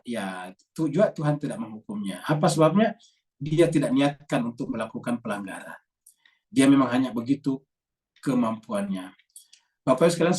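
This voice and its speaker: A man teaching a congregation in a patient, explanatory way, often repeating a word and tagging his points with "ya". His voice sits at an ordinary middle pitch. He sounds a little distant, as if he were some way off from the microphone. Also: a little mellow. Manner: explanatory, repeats key words with a stretched "ya". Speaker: Islamic teacher. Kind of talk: religious lecture to a congregation.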